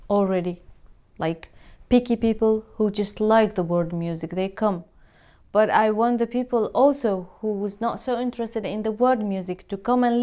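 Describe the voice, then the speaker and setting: Earnest woman, smooth voice. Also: mid-range voice, darkish tone. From Syria. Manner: earnest, searching for words in a second language. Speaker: musician. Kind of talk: interview answers to camera.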